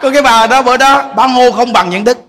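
A Buddhist monk with a Southern Vietnamese accent gives a humorous dharma talk, joking, laughing often, and speaking straight to his audience. His voice is very high-pitched, fast, and fairly bright, with a little hiss or hum in the recording.

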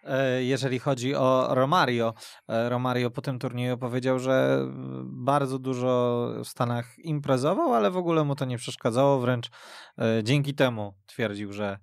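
A man hosting a radio football talk show, pausing often with hesitant fillers. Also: mid-range voice, gravelly, clean tone, no room sound, studio quality. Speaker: radio podcast host. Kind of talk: casual chat. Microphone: studio mic.

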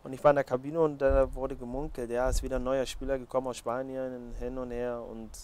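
A man's voice: mid-range voice, level tone, fairly quick, a little mellow. A man in his twenties from Hamburg, a footballer answering interview questions in a casual way. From Hamburg, Germany. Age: 20s. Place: open-air terrace by a training pitch. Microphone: lapel mic. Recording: outdoor recording with clear background noise.

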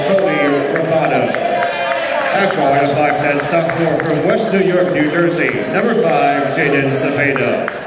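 A man's voice: far from the mic, very noisy. A man works as a public address announcer at a sports game, speaking formally and stretching out names with emphasis. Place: large indoor college gymnasium. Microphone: handheld mic into PA, speaking through face mask, picked up by nearby camera. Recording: booming echoey gym PA, heard from afar, with music and crowd.

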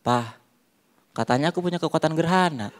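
A male comedian plays a cocky, deluded young boy, dropping well below his usual pitch. The boy speaks with grand self-belief in a comedy bit. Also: a little fast, a little hiss or hum, lightly acted. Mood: plaintive.

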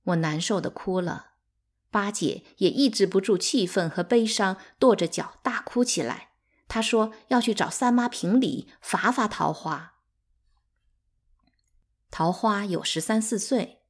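A woman reads a novel aloud as a sleep story, calm and unhurried. Her pitch sits in the middle, and her delivery stays even throughout. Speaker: audiobook reader. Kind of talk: calm bedtime story narration.

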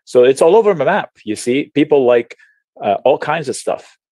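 A man from Lebanon, an options trading educator, explaining charts on a video call in a chatty, animated way with slang and frequent restarts. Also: mid-range voice, moderate pace, dry recording. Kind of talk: casual webinar explanation while sharing charts.

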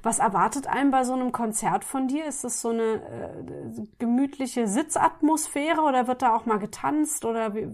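A woman's voice: a little high, normal speed, few pauses, darkish tone. A woman hosting a podcast, interviewing in a casual, chatty and informal way. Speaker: podcast host.

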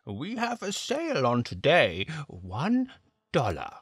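An elderly shop owner in an audio drama, coaxing and faintly sinister. He draws his words out very slowly with wild swoops in pitch. The voice is husky and recorded close and dry. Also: wildly swooping pitch, a bit bright, dry recording, exaggerated voice. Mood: sly, coaxing. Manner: slow, unhurried, insinuating. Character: persistent elderly male antique shop owner, quietly sinister.

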